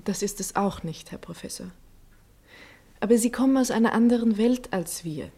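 Mellow, hesitant, respectful nurse. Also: female voice, mid-range voice, moderate pace, breathy edge. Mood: hesitant, earnest. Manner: hesitant, hushed. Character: soft-spoken, respectful hospital nurse, hesitant and earnest. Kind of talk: German radio play acting.

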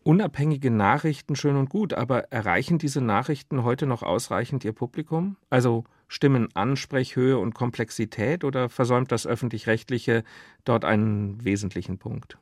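Guy moderating a talk, formal well-worded questions, mid pitch, very dry sound. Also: moderate pace, no room sound. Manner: formal, articulate, eloquent phrasing. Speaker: interviewer, moderator. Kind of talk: prepared interview questions in a formal panel discussion.

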